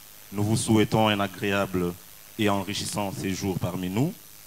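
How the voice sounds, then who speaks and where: A man's fairly low voice at a fairly slow pace. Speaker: youth movement president. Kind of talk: formal welcome speech. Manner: formal.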